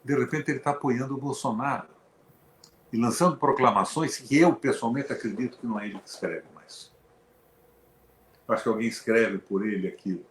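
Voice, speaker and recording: A man's voice: mid-range voice, a little fast. An older Brazilian man, a former senator, talking politics in an emphatic, sarcastic way. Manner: emphatic, animated, with sarcastic asides. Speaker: former senator, show host. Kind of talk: political conversation. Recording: echoey room.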